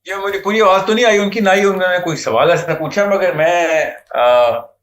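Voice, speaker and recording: A man's voice: high-pitched, a bit bright, roomy sound. A man speaking earnestly in a lecturing manner, mixing in English words, as a guest on a talk show. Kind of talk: Islamic talk show discussion.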